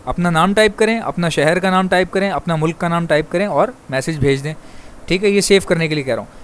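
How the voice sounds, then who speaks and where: Fast-talking man from Pakistan. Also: on the high side, a little hiss or hum. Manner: rapid, chatty, addresses viewers as brother. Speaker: bird breeder vlogger. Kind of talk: fast casual monologue to viewers.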